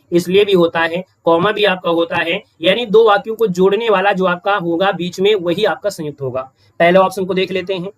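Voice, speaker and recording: A man teaching Hindi grammar in a live-streamed quiz class. He is brisk, keeps checking in with "right?" and greets viewers from the chat mid-lesson. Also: sits high.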